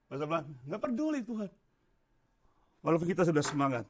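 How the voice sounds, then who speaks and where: An older pastor preaches in a church with a high, lively voice that leaps up and down. He keeps tossing questions to the congregation and drops English phrases into his sermon. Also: fast talker, a little hiss or hum. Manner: animated preaching, quizzing the congregation.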